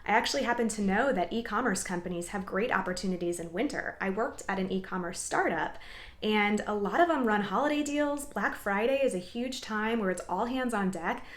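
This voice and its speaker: A woman's voice: mid-range voice, a little fast. A young adult woman giving advice in an upbeat, encouraging, tidy vlogger manner, addressing viewers directly. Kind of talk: upbeat advice vlog to camera. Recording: echoey room.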